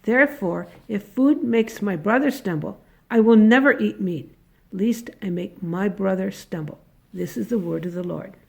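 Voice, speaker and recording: A middle-aged woman reading scripture solemnly, in measured phrases. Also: medium pitch, gravelly, a little mellow. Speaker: lay scripture reader.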